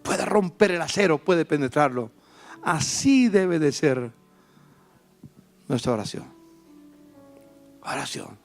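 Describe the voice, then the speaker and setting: A man preaching a sermon with passion, moving between quiet, low passages and loud, emphatic bursts. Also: expressive, slow pace, creaky, pauses often, soft background music. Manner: impassioned preaching, swinging from soft to loud. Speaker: pastor.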